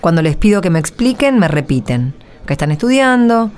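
A woman's voice: on the low side, big pitch swings, brisk, a little mellow. A woman playing a worried, weary young mother in a radio drama, speaking hesitantly with an Argentine accent. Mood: anxious, downcast. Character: Jimena, worried poor young mother, humble, weary, grateful.

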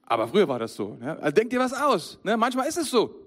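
A man delivers a sermon with a fairly high voice. He speaks in a lively, conversational way and keeps turning straight to his listeners. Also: fast. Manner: lively, conversational, addresses the congregation directly. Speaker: preacher.

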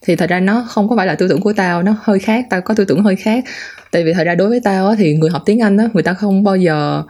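A woman's voice: mid-range voice, rapid-fire, warm tone. A woman giving her opinions in casual chat, mixing in English words.

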